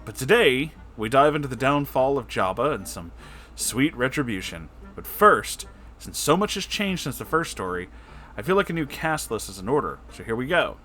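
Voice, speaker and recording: Expressive, animated man reading stories aloud. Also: medium pitch, normal speed, slight background noise. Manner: emotional, effusive, reactive, profane. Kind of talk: expressive story reading with casual asides.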